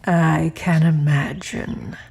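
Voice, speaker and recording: A serene mistress of a deadly otherworldly realm in an audio drama. Her voice sits slightly low and moves very slowly. She is formal and measured, courteous with a cold edge. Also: flat delivery, creaky, a little mellow, a little hiss or hum, full character voice. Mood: cool, composed. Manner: formal, measured, unhurried, polite.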